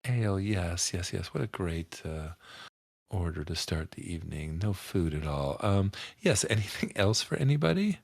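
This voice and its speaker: Very deep, gravelly male game master. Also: expressive, darkish tone, dry recording, clean studio sound. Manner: halting, joking, improvised. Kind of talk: casual tabletop game narration.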